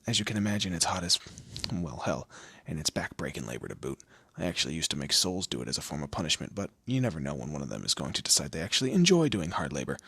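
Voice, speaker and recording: A man voicing a deep, smug demon lord. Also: big pitch swings, quick pace, vocal fry, hardly any pauses, pushed and bright, husky, no room sound, exaggerated voice. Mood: wry, matter-of-fact. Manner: theatrical, condescending, drawling, with amused asides. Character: smug, teasing male demon lord, proud torturer and bureaucrat. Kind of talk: scripted audio roleplay addressed to the listener.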